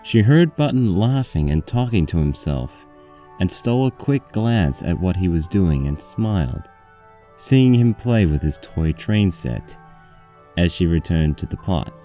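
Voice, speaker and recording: A man's voice: low voice, sing-song, measured pace, mellow, soft background music. A man reading a scripted story aloud as its narrator.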